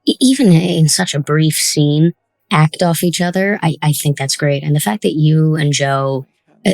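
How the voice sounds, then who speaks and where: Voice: mid-range voice, a little mellow, dry recording. A podcast host in a casual interview and commentary, talking in a thoughtful, encouraging way as the show's creator.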